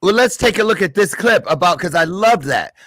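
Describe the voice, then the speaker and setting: A man's voice: high-pitched, expressive, fairly quick, a bit bright, no echo. A man hosting a casual livestream interview show in an exuberant, playful, slangy way. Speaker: show host.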